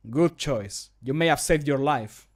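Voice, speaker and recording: For a fantasy game, a man whose first language is Spanish plays a severe city guard who scolds and gives deliberate warnings. His pitch is medium, and he sounds close to his everyday voice.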